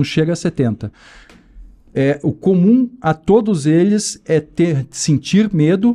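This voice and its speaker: Lively intonation and a dark, mellow tone come through over a quiet background. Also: man. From Brazil. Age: 50s. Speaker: base jumper and bungee jumping instructor; podcast guest, jump instructor. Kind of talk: casual chat. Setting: studio. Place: studio. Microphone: studio mic.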